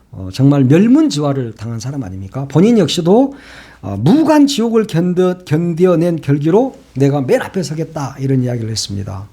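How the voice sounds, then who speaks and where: A man's voice: a little high, dark tone. A man giving solo political commentary, opinionated and emphatic, often asking rhetorical questions.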